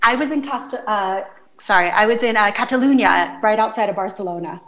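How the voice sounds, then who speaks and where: A woman's voice: mid-range voice, brisk, a bit bright. A woman calling in to a radio interview over the phone, telling stories casually with many fillers. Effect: over a phone line, on speakerphone. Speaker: guest chef and wellness consultant. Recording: muffled phone line, faint background noise.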